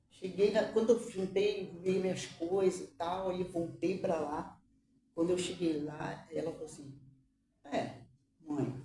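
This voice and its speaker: Mother, emotional faith testimony, halting and tearful, mellow voice, echoey room, far from the mic. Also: lowish voice. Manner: halting, repeats words, tearful at times.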